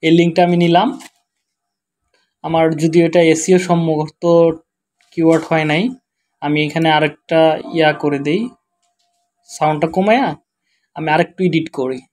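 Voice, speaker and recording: A tired man with a Bangladeshi accent, speaking quietly and slowly as he walks through a screen-share tutorial. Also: fairly high pitch, fairly even intonation. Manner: quiet, slow, tired-sounding talk. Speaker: web developer teaching SEO.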